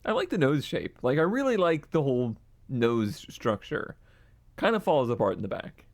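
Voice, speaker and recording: A man's voice: mid-range voice, very animated, moderate pace. Joking male podcast co-host. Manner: joking, laughs often. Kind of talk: casual chat about project cars.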